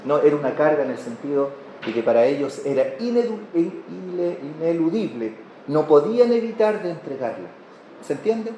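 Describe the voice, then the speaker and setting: A man with a Chilean Spanish accent delivers a sermon in a somewhat high voice, often turning to his listeners with rhetorical questions. The sound is roomy and echoey, with a faint hiss of background noise underneath. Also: big pitch swings, normal speed, mellow. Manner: asks the congregation rhetorical questions, storytelling tone. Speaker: preacher.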